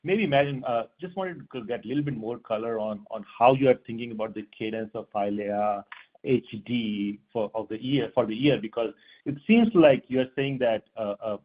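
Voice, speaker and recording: A man asking a question as a financial analyst on an earnings call, tentatively rephrasing as he goes. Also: mid-range voice. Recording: narrow tinny phone line.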